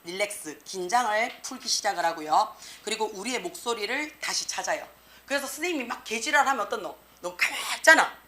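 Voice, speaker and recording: A woman English teacher giving an exam prep lecture, lively and slangy, peppering students with rhetorical questions. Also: mid-range voice, a little fast. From South Korea.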